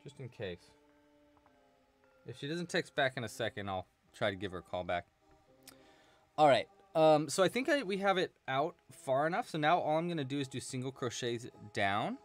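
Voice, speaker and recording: A man's voice: mid-range voice, big pitch swings, moderate pace. A young man teaching crochet on a home live stream, chatty and playful, reading chat messages aloud and laughing as he works. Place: small room at home, indoors.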